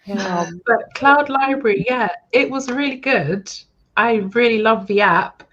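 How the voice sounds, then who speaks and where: A woman's voice: fairly high pitch, measured pace, a bit bright. A woman talking casually in a group chat over a video call. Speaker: book chat participant. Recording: dull, lo-fi video call audio.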